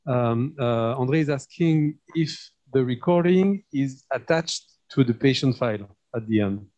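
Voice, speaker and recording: A man with a French accent moderating and relaying questions, haltingly repeating words as he searches for phrasing. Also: medium pitch, lively intonation, a little mellow. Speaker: moderator and interpreter. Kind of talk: relaying questions and explaining informally. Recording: dull, lo-fi audio.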